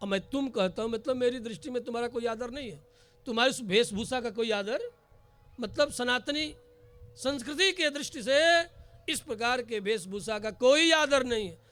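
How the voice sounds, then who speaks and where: A man with a Bihari accent speaks at a moderate pace in an extremely high pitch, his bright, sharp tone rising and falling sharply in loudness. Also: ordinary pitch variation. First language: Bhojpuri (speaking Hindi). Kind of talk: sermon. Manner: animated, conversational asides.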